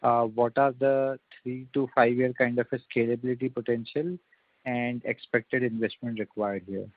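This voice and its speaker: A man's voice: medium pitch, level tone, moderate pace, no room sound. A male analyst politely and formally asking a question on an earnings call over the phone. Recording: narrow, dry phone line.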